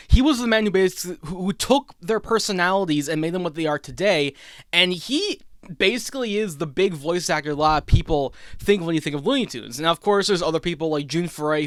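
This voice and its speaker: A man's voice: on the high side, a bit bright. A man from the Caribbean hosting a casual animation commentary, chatty and rambling. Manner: chatty, rambling, laughs often. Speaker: host.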